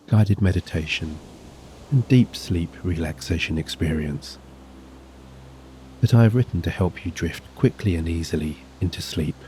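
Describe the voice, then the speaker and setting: A man with a very low, mellow voice leads a guided sleep meditation. He speaks soothingly and gently, leaving long, measured pauses between phrases. A faint hum sits behind him. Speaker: hypnosis and meditation narrator. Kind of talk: guided sleep hypnosis, scripted narration. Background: soft relaxing music and gentle waves.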